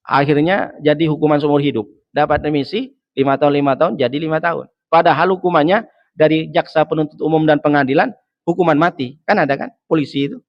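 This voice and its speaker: A male preacher giving a joking, lively sermon, asking the audience questions and rising in emphatic bursts. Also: on the high side, fast, dry recording. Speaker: preacher, ustadz. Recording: dull, dry lo-fi sound.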